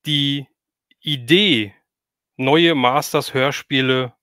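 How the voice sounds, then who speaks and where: A man's voice: mid-range voice, extremely slow, sharp tone, no room sound, studio quality. A man speaking as a livestream host in a casual, chatty and enthusiastic way while interviewing a guest.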